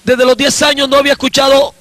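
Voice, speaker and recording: A man in his forties, an evangelist preaching his own testimony slowly and emphatically, often repeating his phrases. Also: extremely high pitch, monotone, pushed and bright, dry recording.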